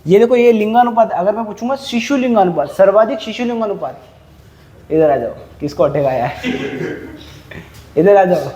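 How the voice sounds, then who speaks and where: A man's voice: high voice, expressive, normal speed, pauses often, dark tone. A man teaching a classroom lecture, quizzing students and drilling numbers through repetition.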